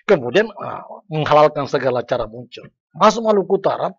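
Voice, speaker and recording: A middle-aged man speaking as a guest sociologist in a small podcast studio, explaining in an earnest, lecturing way. His voice sits a little high and sounds husky, close and dry at a stand mic, with slightly dull sound. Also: sing-song, brisk, no echo. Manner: earnest, lecturing, breaks off to reframe points. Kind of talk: podcast discussion. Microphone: desk mic on stand.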